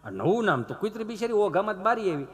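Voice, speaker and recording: A man's voice: sits high, fast. A man with a Saurashtra Gujarati accent, telling a folksy comic story to an audience in a rustic, teasing way. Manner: rustic, animated, playful teasing. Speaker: stand-up comedian.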